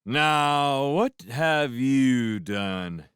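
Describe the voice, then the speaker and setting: A man's voice: medium pitch, big pitch swings, takes it slowly, clear, resonant tone, no echo, clean studio sound, pitched above the performer's own voice. A man voicing a soaked, very drunk fisherman who scolds people with theatrical mock outrage. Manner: slurred, theatrical, shouting.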